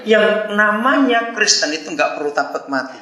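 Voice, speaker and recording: A man's voice: high voice, moderate pace, heavy reverb, rough recording. An older man preaching a sermon, telling stories with laughter and acting out the voices in quoted lines. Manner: animated storytelling with laughs and acted quotes. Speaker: pastor.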